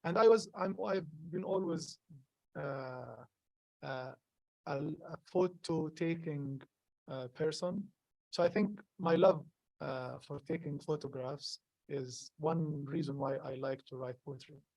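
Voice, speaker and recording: A young man from Gaza whose first language is Arabic, a poet answering questions at a live event, halting and earnest with many restarts. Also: fairly high pitch, gravelly, a little mellow, dry recording, rough recording. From Gaza, Palestine. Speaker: poet, guest. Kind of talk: live conversation at a public event.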